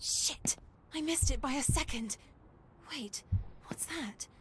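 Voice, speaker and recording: A woman's voice: high-pitched, takes it slowly, a little hiss or hum. A woman playing a distressed, searching young woman in a dramatic horror game scene. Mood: quiet, pondering. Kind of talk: dramatic video game acting.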